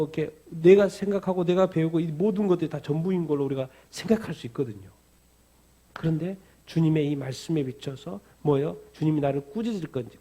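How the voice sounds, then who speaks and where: A man preaching a midweek sermon. He talks in a conversational way and keeps asking his listeners rhetorical questions. His voice sits a little high, with a mellow, warm tone. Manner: animated, asks rhetorical questions, acts out the disciples' anger. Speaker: pastor.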